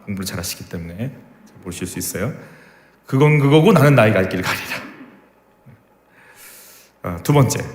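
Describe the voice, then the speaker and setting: A man preaching a sermon as pastor, talking in a conversational way and asking the congregation questions. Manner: acts out quoted voices with sharp drops in pitch and volume. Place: church sanctuary, echoey. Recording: echoey hall with long reverb.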